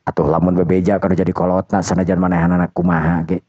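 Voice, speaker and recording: Male storyteller, very low and husky, rambling delivery, dry lo-fi sound. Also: little pitch movement, quick pace, no room sound. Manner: rambling, self-correcting storytelling. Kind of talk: folk tale narration. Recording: dull dry lo-fi recording.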